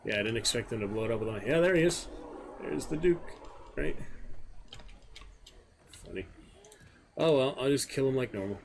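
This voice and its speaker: A man giving casual, low-key gameplay commentary, musing to himself over game sounds. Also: animated, moderate pace, long pauses. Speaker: gamer commentating own gameplay. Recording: clear game noise behind voice. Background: video game sounds.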